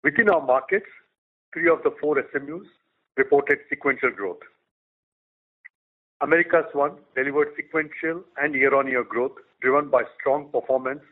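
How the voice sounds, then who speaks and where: Company CEO, medium-pitched man, reads quarterly results in a measured way over a phone-quality line. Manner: measured, reads figures in short phrases. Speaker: company chief executive. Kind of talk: prepared business update.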